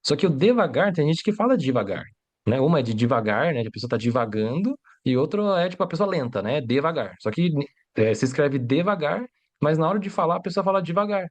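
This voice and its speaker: A man's voice: a little high, very animated, fast. A man teaching in a casual live stream, chatty and reassuring, who keeps checking in with his viewers and answers their questions as he goes. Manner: chatty, asks "né?" and "tá?" constantly. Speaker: Mandarin teacher.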